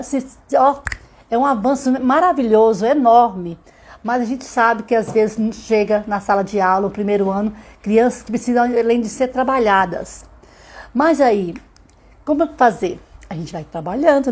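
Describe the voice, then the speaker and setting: A woman with a Brazilian Portuguese accent, a literacy teacher giving a live online lesson to mothers. She talks to them directly and slows down to sound out words syllable by syllable. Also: on the high side, a little mellow.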